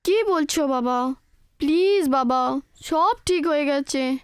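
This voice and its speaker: An actress playing an eager, affectionate young student daughter in a film family drama. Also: female voice, sits high, expressive, slow pace, dry recording, clean studio sound. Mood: pleading, affectionate. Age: young adult.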